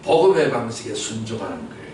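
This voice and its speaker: A man's voice: fairly low pitch, sing-song, fast talker. A man preaching a Sunday sermon as pastor, questioning his congregation and repeating key words for emphasis. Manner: rhetorical repetition and sudden loud outbursts. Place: church sanctuary. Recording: echoey church from a distance, faint noise.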